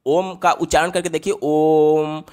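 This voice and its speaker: Male tutor, fairly high voice, patient step-by-step exam-paper explainer who checks in with "theek hai?". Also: lively intonation, moderate pace. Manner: explains step by step, asks and answers his own questions, repeats "theek hai?"; writes on a board while explaining. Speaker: teacher solving exam papers.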